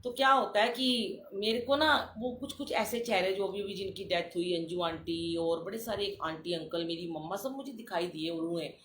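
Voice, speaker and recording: An older woman giving an earnest devotional talk, telling a dream story and addressing listeners warmly as a congregation. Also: lowish voice, normal speed, hardly any pauses, slight background noise. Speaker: satsang speaker. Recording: roomy live stream with faint ambience.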